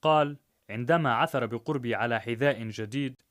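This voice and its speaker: A man narrating a rhymed story in a measured, rhythmic way. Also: mid-range voice, fairly bright tone.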